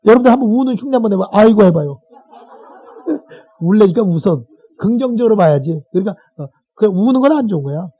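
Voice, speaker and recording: A man's voice: sits high, lively intonation, quick pace, husky. A man, a Buddhist monk, giving a colloquial sutra lecture to a class and often checking in with his listeners. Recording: dull lo-fi recording.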